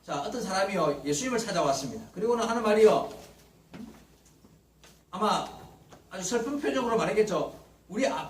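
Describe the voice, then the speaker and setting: A man preaching a Sunday morning sermon as pastor, acting out the words of Bible figures. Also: very high voice. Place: church sanctuary. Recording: roomy church echo, mic at a distance, faint hiss.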